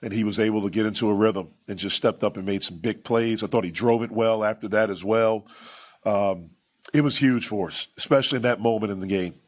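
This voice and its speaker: Low-pitched guy coaching hoops, talking to reporters at a table mic after the game, kinda measured, lots of "you know". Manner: measured, repeats phrases, many fillers like "you know" and "man". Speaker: head basketball coach. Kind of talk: postgame press conference answers. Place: press conference room with sponsor backdrop. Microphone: table microphones.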